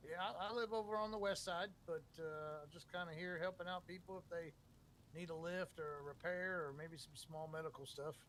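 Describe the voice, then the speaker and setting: A man's voice: fairly high pitch, fairly quick, a bit bright, slight background noise, rough recording. A man chatting casually in roleplay, polite and folksy, with hesitant stammered repeats. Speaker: player in a zombie survival roleplay server. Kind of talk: casual in-character roleplay chat.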